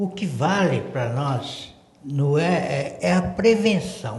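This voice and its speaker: There is noticeable background noise and audible room echo around this man. He speaks very slowly at a fairly high pitch, with very wide pitch swings. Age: 70s. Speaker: magnetic therapist. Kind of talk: interview. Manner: halting.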